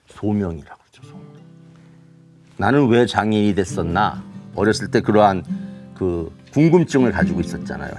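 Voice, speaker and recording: A middle-aged man speaking as an author to young students, telling a story in an animated way and asking rhetorical questions. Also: on the low side. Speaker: children's author giving a talk. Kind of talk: motivational lecture to students.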